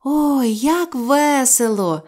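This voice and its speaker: A woman voicing two excited young children in a storybook reading, with high, shrill exclamations. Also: drawn-out words, full character voice.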